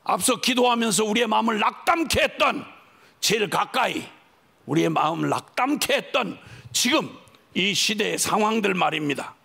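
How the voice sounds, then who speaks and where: A middle-aged man preaching a fervent sermon at a church worship service, shouting out proclamations and leading the congregation in calls, with playful asides between. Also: high-pitched, lively intonation, moderate pace, gravelly, slightly rough. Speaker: missionary preacher.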